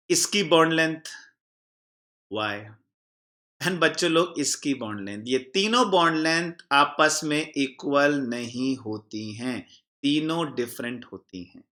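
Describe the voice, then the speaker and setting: A man teaching an exam-prep chemistry class, repeating key points, quizzing the class and answering himself. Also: a little high. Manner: calls the students "children" warmly.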